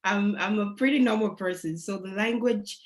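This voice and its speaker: Young woman on a video call, chatty and upbeat, talks fast with lots of likes and you knows. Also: mid-range voice, poor audio. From Nigeria, raised in Spain. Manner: chatty and enthusiastic, with fillers. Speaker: guest speaker. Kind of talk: seminar talk.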